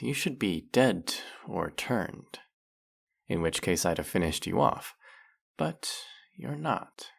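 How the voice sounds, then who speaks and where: A man playing a centuries-old, brooding vampire hunter in an audio roleplay, questioning with measured, wry menace. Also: on the low side, gravelly, heavily acted. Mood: puzzled, probing. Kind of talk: dramatic audio roleplay, addressing the listener.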